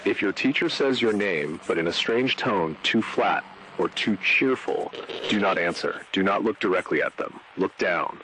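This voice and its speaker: A man playing an ominous announcer, reading a school safety bulletin for an analog horror video in a grave, measured way. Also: deep voice, lively intonation, a bit bright, slight background noise, rough recording. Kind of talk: scripted analog horror PSA narration.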